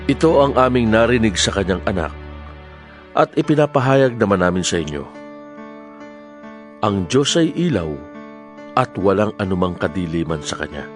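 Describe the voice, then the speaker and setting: A man with a Filipino accent giving a solemn, measured, declamatory dramatized reading of scripture as a Bible narrator. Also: lowish voice, animated. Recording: music bed under the voice. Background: background music.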